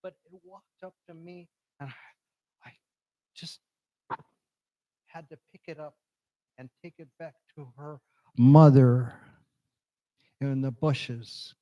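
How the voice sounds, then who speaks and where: A man with a low voice telling a story at a church gathering, talking slowly and haltingly, searching for words after strokes. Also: mellow, dull audio. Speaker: congregation member sharing a story. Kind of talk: halting personal testimony. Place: church hall. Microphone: handheld microphone.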